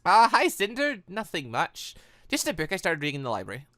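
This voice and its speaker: Man voicing an earnest, awkward young game hero, bright. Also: sits high, huge pitch swings, fairly quick, no echo, clean studio sound, exaggerated voice.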